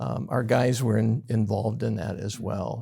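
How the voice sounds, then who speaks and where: Vocal fry colors a man's dark, mellow voice, which sits at medium pitch with ordinary pitch variation. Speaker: church elder. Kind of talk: interview answer.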